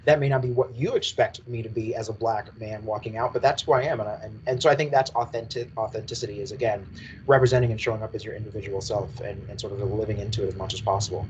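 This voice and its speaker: A man speaking on a panel in an animated, casual way, with plenty of "like"s. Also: on the low side, fast talker. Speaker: panelist, fund CEO. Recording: lo-fi call audio with faint noise.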